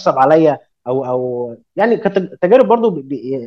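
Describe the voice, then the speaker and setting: His fairly high voice makes very wide pitch swings as the man talks. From Minya, Egypt. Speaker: author and novelist. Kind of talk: casual interview conversation.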